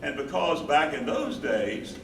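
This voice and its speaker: A man's voice: a little high, sing-song, measured pace, full character voice. Man acting a devoted, troubled husband, distant echoey stage. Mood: haunted, reflective. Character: devoted husband and carer, loving, troubled, reflective. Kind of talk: staged reading, dramatic monologue. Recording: echoey distant stage recording, clear noise.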